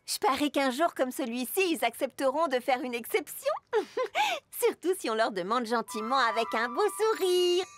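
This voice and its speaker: Very high, earnest little cartoon girl. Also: lively intonation, normal speed, no echo. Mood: hopeful, pleading. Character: upbeat, determined little girl, kind and optimistic. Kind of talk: French-language children's cartoon dubbing.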